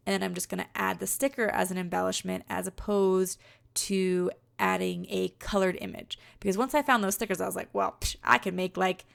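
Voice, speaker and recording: A young woman talks in a relaxed, rambling way, full of "like" and "um." Her voice sounds rough from being sick and has a heavy gravelly fry. Her pitch sits in a middle range. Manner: chatty, rambling, many fillers. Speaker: card-making vlogger. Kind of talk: casual crafting voice-over.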